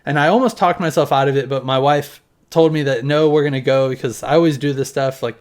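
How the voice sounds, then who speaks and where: A man's voice: medium pitch, a little fast. A man in his thirties talking casually to camera at home, showing off his collection in a loose, rambling way and swearing now and then. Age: 30s. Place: home room with collection on display.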